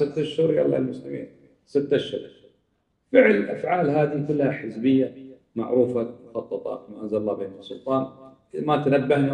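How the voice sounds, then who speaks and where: A man's voice: fairly high pitch, warm tone. Man preaching in an echoey room. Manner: scolding, rhetorical, mocks opponents' arguments. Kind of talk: religious lecture. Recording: echoey room, speaker far from mic.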